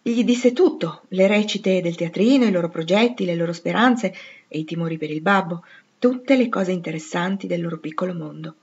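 A woman reading a classic novel aloud, with measured, expressive storybook narration. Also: on the low side, husky, lo-fi sound. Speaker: audiobook reader.

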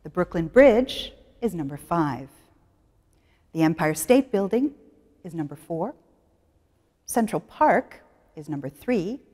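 A middle-aged woman presenting an English lesson, talking slowly and clearly as she guides students through the exercises. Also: on the low side, very animated, darkish tone, big-room sound. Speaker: English teacher. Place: studio in front of a plain wall.

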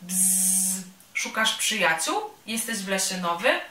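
A woman voicing a tiny, vain female insect who teases and boasts in a high, mocking voice, for a storybook reading. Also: animated, takes it slowly, pushed and bright, a little hiss or hum. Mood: teasing. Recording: roomy sound from a distant mic.

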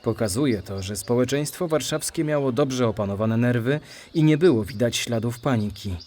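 A man playing an elderly male city dweller recalling his childhood, in a measured, reflective memoir reading. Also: mid-range voice, darkish tone, close to an everyday voice.

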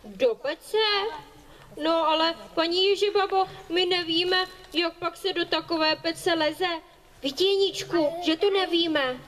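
Woman playing a very high-voiced little girl. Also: a bit bright. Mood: feigned innocence. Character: little girl, brave and cunning, reassuring her brother. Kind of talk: puppet theatre fairy-tale acting. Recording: very echoey, music behind.

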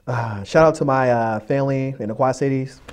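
A young man guesting on a small studio talk show, quick-talking and teasing. His voice sits at an ordinary middle pitch. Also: darkish tone, clear, resonant tone. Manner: joking, teasing. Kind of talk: casual interview chat. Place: small studio set, indoors.

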